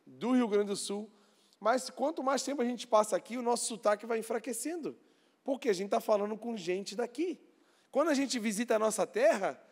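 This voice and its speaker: A man, preaching a lively, conversational sermon as pastor in a church. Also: sits high. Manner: lively, conversational preaching with dramatic acted-out voices. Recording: church hall with long reverb.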